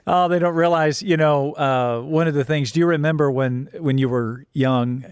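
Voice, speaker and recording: A middle-aged man hosting a podcast, chatting casually and eagerly with quick short affirmations. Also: fairly high pitch, clean tone, no echo, studio quality. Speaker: podcast host. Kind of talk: casual interview chat.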